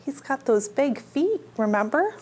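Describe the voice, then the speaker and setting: A high, sing-song female voice, unhurried, over a noisy background. The speaker is a librarian hosting children's storytime, reading picture books in simple child-directed language and asking the little listeners questions.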